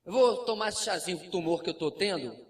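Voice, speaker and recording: A Brazilian man with a Brazilian Portuguese accent preaching a lively sermon in a church, with asides and acted quotes. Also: high voice, fast talker. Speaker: pastor. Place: church sanctuary. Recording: distant mic, faint room noise.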